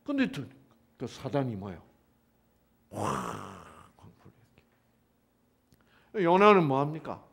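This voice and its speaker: A man's voice: medium pitch, sing-song, a little slow, vocal fry, pauses often, a bit bright, breathy edge. A man retelling a Bible story as a lecture, firing off rhetorical questions to his listeners. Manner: keeps asking rhetorical questions. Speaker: health lecturer teaching the Bible.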